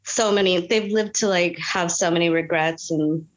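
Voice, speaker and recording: A Canadian woman with a fairly low voice speaks at a moderate pace. She's a guest actress in a casual interview, animatedly telling stories full of "like" fillers and quoting people in acted-out voices.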